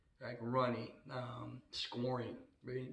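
A man with an American accent speaks at a medium pitch and a very slow pace. Audible room echo surrounds his voice. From Southern California. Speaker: college basketball assistant coach. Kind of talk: interview. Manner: casual, filler-heavy.

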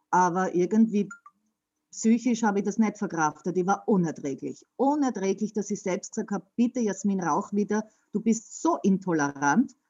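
A woman with an Austrian accent, somewhat breathy, with lively intonation. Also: medium pitch for a woman, moderate pace. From Vienna, Austria. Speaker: former smoker, program participant. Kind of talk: interview, casual chat.

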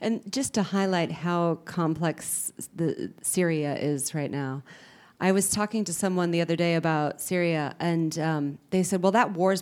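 On a very clean recording with a silent background, a woman with a normal speaking voice talks fairly slowly at a fairly low pitch, with ordinary pitch variation. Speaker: radio host. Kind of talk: moderated live panel discussion. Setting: stage with audience.

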